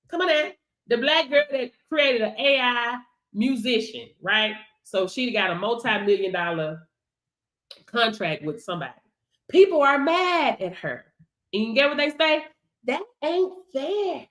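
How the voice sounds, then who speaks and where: A woman teaching a business workshop like a sermon. She talks in a high voice that jumps all over the place, hammering words over and over and breaking into laughter. She keeps calling her audience baby. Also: fairly bright tone. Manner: emphatic, repeats phrases, laughs often, calls listeners baby. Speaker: workshop instructor. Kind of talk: preachy motivational workshop talk.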